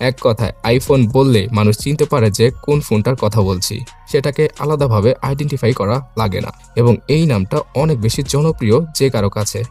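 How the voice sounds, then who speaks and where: A man narrates a tech explainer over background music. His voice sits at a medium pitch. He explains each point directly to viewers, dropping English tech words into his sentences. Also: a little mellow. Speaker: tech video presenter.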